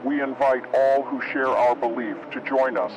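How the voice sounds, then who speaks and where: A man's voice: mid-range voice, fairly even intonation, normal speed, noisy background, close to an everyday voice. A man playing the devout leader of an apocalyptic Christian group, making a solemn, earnest proclamation. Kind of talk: scripted solemn rallying proclamation. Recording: dull lo-fi radio sound, loud music.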